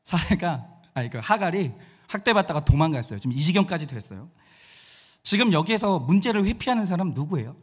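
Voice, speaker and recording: A man's voice: a little high, fairly quick, breathy edge. A man preaching a sermon as pastor, posing questions to the congregation and acting out voices. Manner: animated, acts out quoted voices.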